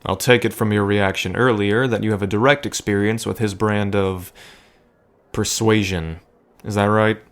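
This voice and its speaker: Casting: actor for a poker boss's cautious right-hand man, lowish pitch, dry and deliberate, wry, audio drama. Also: steady tone, lightly acted. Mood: probing. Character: wry, cautious male sidekick of a poker boss. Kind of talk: scripted audio drama dialogue.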